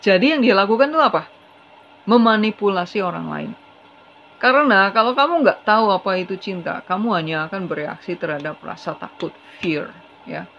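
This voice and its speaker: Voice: mid-range voice, moderate pace, creaky, a bit bright. A tarot reader giving a casual, chatty reading straight to the viewer, earnest and advising. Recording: slightly dull with faint hiss.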